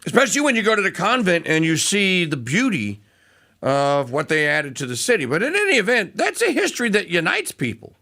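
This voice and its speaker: A man's voice: brisk, creaky. A middle-aged man from Louisiana, hosting a casual talk radio show, rambling and digressive with lots of fillers and restarts. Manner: animated pitch swings.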